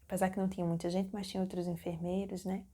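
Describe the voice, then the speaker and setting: A young woman vlogger telling the story of her childbirth in a casual, halting, heartfelt way, acting out what she said at the time. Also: fairly low pitch, level tone, dark tone. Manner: halting and heartfelt, acts out her own remembered lines. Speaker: mom vlogger. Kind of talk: personal birth story, casual narration.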